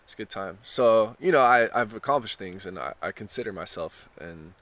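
A young man talking in a relaxed surfer way, full of "you know" and "like", in a casual interview. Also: on the low side, a little fast, no echo. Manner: laid-back surfer talk, lots of "you know" and "like". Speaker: contestant being interviewed.

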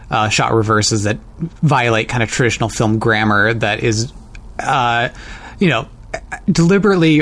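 A man on a podcast panel, analytical and measured, discussing how a film is shot. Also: on the low side, a bit bright.

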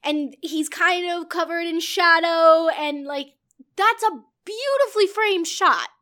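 A woman with a high, bright voice talks through a film in loose, opinionated podcast chat. She gets animated, trails off mid-thought and restarts often. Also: unhurried. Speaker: podcast co-host. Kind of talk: casual film discussion.

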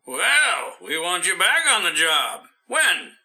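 An actor playing a brisk, commanding male doctor and boss in an old-time radio drama, hearty and quick to laugh. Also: high-pitched, very animated, gravelly, pushed and bright, exaggerated voice. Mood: firm friendly.

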